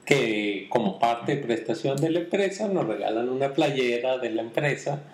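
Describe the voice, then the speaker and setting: A man's voice: mid-range voice, lively intonation, moderate pace, slight background noise. A man co-hosting a casual podcast, good-humored and laughing off teasing. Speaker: podcast co-host. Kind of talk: casual chat. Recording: echoey room.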